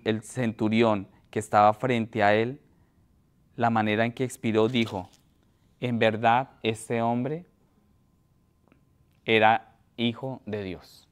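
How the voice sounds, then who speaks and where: A man preaching in a church, reading a scripture passage aloud and then explaining it with frequent pauses and restarts. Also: medium pitch, smooth. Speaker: pastor.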